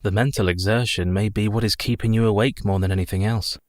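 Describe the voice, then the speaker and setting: An actor playing an earnest, tender young husband in a radio play. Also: male voice, lowish voice, steady tone, quick pace, a little mellow, no room sound, studio quality, lightly acted. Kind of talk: community radio play acting.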